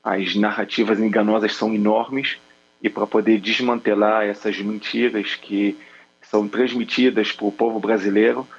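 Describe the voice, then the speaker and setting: A man's voice: fairly low pitch, flat delivery, normal speed, dull audio. A man in his forties with a Rio de Janeiro Brazilian accent, a military spokesman answering earnestly on a video call, with frequent hesitation fillers. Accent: Rio de Janeiro Brazilian Portuguese. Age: 40s. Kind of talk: remote interview answers.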